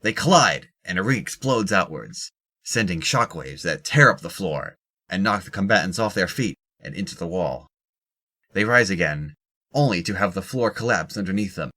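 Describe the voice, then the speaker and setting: A man with a deep voice serves as narrator of an audio drama. He reads scripted descriptions of the action. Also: animated, moderate pace, bright, forceful tone.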